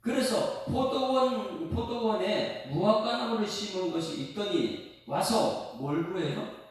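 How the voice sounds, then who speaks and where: Male pastor, lively preacher who quizzes his flock; very reverberant hall, distant mic. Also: high voice, takes it slowly. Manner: animated preaching with questions to the congregation. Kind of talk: expository sermon at dawn prayer service. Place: church sanctuary. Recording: echoey room, mic far off.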